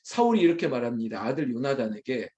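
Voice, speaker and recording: A man's voice: medium pitch, big pitch swings, fast talker, mellow, dull audio. A man preaching as pastor at an early morning prayer service, talking animatedly and addressing the congregation directly.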